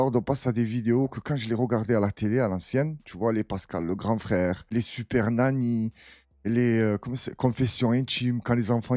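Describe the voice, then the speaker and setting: A man hosting a reaction video, telling stories in an animated, slangy, joking way. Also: on the low side, no echo, studio quality. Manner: animated storyteller, slangy, laughing. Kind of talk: casual reaction commentary.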